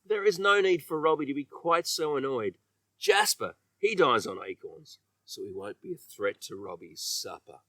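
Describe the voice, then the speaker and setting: Male children's storybook reader, bright and expressive, emphatic phrasing, recorded dry and a little off the mic. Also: medium pitch, moderate pace, dry recording, recorded from a distance. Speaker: children's author reading own book.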